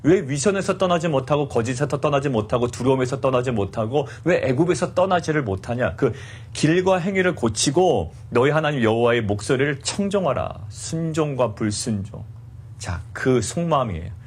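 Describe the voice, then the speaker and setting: A middle-aged male pastor delivers an early-morning sermon, asking question after question and acting out his listeners' indignant replies. His voice is husky. His pitch rises and falls widely as he preaches. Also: animated, moderate pace.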